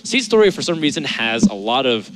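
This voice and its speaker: A man's voice: medium pitch, sing-song, brisk, noisy background. A man casting a live esports tournament from a couch desk, joking and self-deprecating. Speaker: esports caster.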